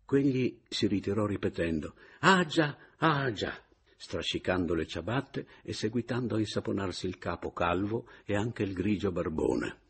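A man narrating a literary novel as an audiobook reader, with expressive, varied intonation. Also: low voice, moderate pace, creaky, hardly any pauses, slightly rough.

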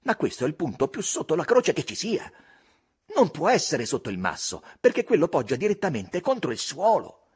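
A man doing an excited, eager young boy. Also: a little high, moderate pace, husky, pitched above the performer's own voice, exaggerated voice. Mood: puzzled. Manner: eager, exclaiming, boyish. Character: bold adventurous boy, excited leader.

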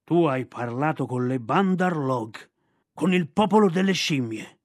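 A man voicing a gruff, stern yet fond old bear who teaches a boy the jungle's laws. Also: a little high, animated, unhurried, no echo, clean studio sound. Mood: gruff, scolding.

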